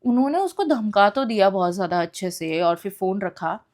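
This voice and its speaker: A woman's voice: mid-range voice, a little fast. A young woman telling a personal story in a casual, emotional monologue, mixing English phrases into her speech. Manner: emotional, expressive retelling.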